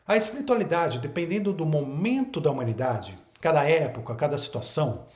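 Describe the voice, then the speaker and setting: Animated man in an echoey room. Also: a little high, brisk. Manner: emphatic, repeats phrases, rhetorical questions. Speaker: spiritual teacher. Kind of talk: spiritual talk to an online audience.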